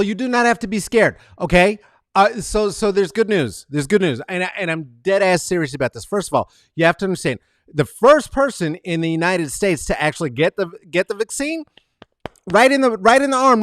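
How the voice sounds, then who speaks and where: A man hosting a casual comedic monologue, rambling and profane, animated and full of fillers. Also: on the high side, no echo, clean studio sound. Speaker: podcast host.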